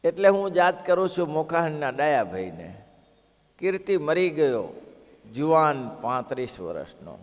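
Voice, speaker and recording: A religious discourse speaker gives a devotional sermon, telling stories expressively, acting out quoted villagers and posing rhetorical questions to listeners. His voice is a little high and his pace measured. The recording carries long hall reverb.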